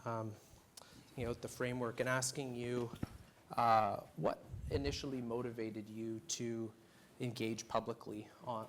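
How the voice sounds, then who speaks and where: A man moderates a panel discussion, giving short, polite prompts to introduce speakers. His voice sits in a middle pitch, with a faint hiss in the background. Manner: polite, brief prompts and affirmations.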